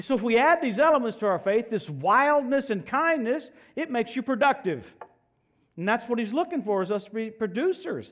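Extremely high-pitched, a man with an American accent talks at a fairly quick pace in an animated tone. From US South, northern Louisiana. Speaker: guest preacher. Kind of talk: sermon. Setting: church with congregation.

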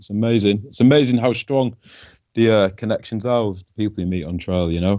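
A man with a Yorkshire accent talks at a fairly quick pace in a fairly low pitch. His loudness swings widely. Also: ordinary pitch variation. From Yorkshire, England. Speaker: long-distance hiker. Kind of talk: casual interview chat.

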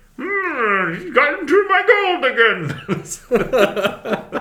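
Putting on a character voice, a man projects a raised voice at an extremely high pitch, swinging very widely in pitch while speaking at a very slow pace. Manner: mocking imitation of a film villain's voice.

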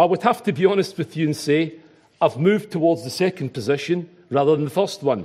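A dark, mellow tone with lively intonation at a fairly quick pace. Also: man. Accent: Glaswegian. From Scotland, Glasgow. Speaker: pastor. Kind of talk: sermon. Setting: church.

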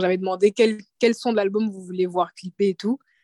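Dry and close with no echo, this dark, mellow voice moves at a moderate pace with fairly even intonation. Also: woman. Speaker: singer. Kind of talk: interview. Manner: casual.

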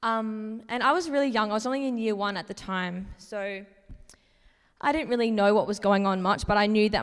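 A woman's medium-pitched voice with an Australian accent, moderate pace and ordinary pitch variation. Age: young. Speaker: church member. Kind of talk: testimony.

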